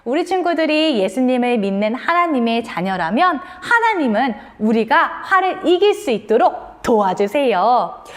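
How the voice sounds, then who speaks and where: Woman, children's minister, high and animated, sing-song questions to kids. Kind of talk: children's sermon.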